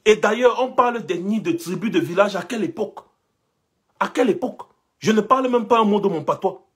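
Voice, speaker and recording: Speaking as a commentator, a young man from Cameroon launches into a passionate monologue and keeps driving his arguments home through rhetorical questions. He has a high, husky voice with a bit of brightness.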